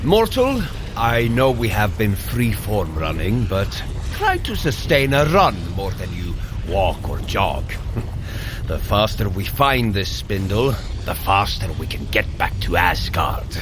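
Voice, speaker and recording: Hearty, booming-spirited warrior god, very animated. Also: male voice, takes it slowly, background noise. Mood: hearty, resolute. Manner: grand, old-fashioned, formal heroic speech. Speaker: guide and coach in a fitness adventure. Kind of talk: scripted audio drama acting.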